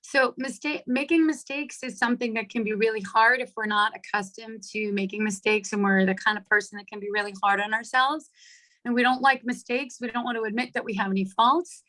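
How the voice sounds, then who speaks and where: A middle-aged woman with a hoarse voice leading an online coaching workshop on a video call, chatty and checking in with her listeners often. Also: fairly high pitch, fairly even intonation, fairly quick, bright, forceful tone, poor audio. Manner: chatty, checks in with "right?" and "okay?". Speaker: workshop leader. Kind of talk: live online coaching talk.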